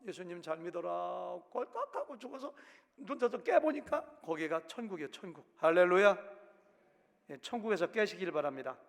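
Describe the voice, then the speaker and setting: A man's voice: high-pitched, animated, normal speed. A male pastor from Chungcheong province preaching a sermon with a regional accent, acting out quotes in shifting voices. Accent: Chungcheong Korean. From Korea, Chungcheong province. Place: church sanctuary. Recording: long hall reverb.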